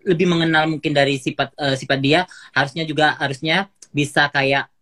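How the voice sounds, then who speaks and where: A livestream host talks in a measured, conciliatory way. The speech is full of hesitations and filler sounds. The voice sits at a middle pitch. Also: steady tone, a bit bright. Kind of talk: casual livestream chat.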